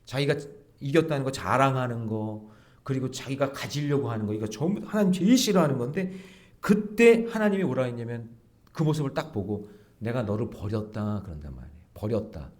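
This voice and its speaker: A man's voice: mid-range voice, lively intonation, brisk, a little mellow. A middle-aged man preaching an early morning prayer sermon in a church, asking the congregation questions and acting out the voices he quotes. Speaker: pastor. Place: church sanctuary.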